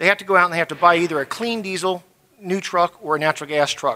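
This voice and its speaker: A man with an American accent speaks at a very fast pace and a high pitch, with ordinary pitch variation. His tone is bright and sharp, and the sound is dry and close with no echo. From northern United States. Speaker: conference presenter on natural gas vehicles. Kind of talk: informal business presentation. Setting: speaking at an event with slides. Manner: fast talker.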